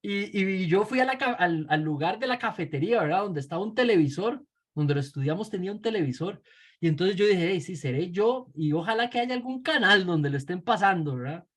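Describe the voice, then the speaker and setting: A man's voice: high-pitched, animated, fairly quick, a bit bright. A middle-aged man with a Costa Rican accent, teaching theology in a conversational lecture full of fillers and tag questions. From Costa Rica. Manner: conversational, frequent fillers and "¿verdad?" tags. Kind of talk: lecture with personal anecdote.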